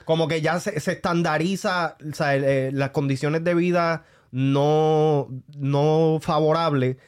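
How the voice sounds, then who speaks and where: A man from Puerto Rico with a Puerto Rican accent, chatting casually with a friend on a podcast, relaxed and slangy. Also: on the high side, unhurried, clean tone. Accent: Puerto Rican Spanish. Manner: relaxed, slangy, agreeing often. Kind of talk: casual chat.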